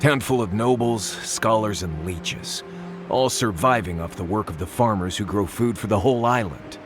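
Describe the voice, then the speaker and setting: A man voices a suspicious, sardonic guide in a fantasy video game. His voice is on the low side, with a dry, grumbling bluntness. Music plays clearly behind him. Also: moderate pace, natural voice. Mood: disdainful. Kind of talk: naturalistic video game dialogue.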